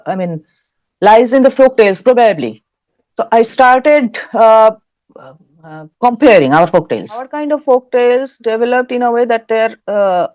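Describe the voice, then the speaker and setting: A woman's voice: a little high, a little mellow. A woman from West Bengal with a Bengali Indian accent, explaining things in an interview and often searching for her words. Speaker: interview guest, folktale researcher and writer. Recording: dull, lo-fi audio.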